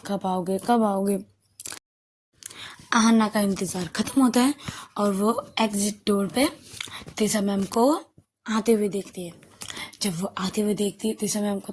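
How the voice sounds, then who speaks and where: A woman's voice: on the high side, darkish tone. A young woman narrating a love story in a casual, chatty way, often correcting herself as she goes.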